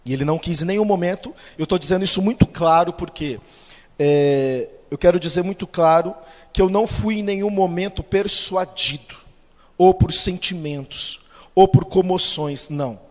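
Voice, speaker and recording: A man with a Brazilian Portuguese accent tells a personal testimony in a slightly high voice. He speaks as a preacher, acting out each quoted person. A long reverb from a large hall trails every phrase. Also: moderate pace. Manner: storytelling, acts out quoted dialogue with shifts of pitch and loudness. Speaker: Catholic lay preacher. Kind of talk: spoken testimony.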